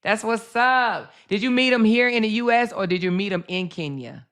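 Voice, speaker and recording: Speaking at normal speed with a medium-pitched, slightly bright voice, a woman chats her way through a casual live stream. She reads out viewers' comments, repeats phrases, and addresses people as "baby" and "girl."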